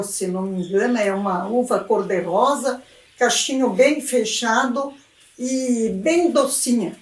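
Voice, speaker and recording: An elderly woman with a rural Rio Grande do Sul accent tells her memories slowly, in a fairly high voice. She sounds some distance from the microphone in an echoey room. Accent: southern Brazilian Portuguese, rural Rio Grande do Sul. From rural Rio Grande do Sul, southern Brazil. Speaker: retired teacher interviewed about local history. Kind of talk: oral history interview, reminiscing. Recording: roomy echo, distant microphone.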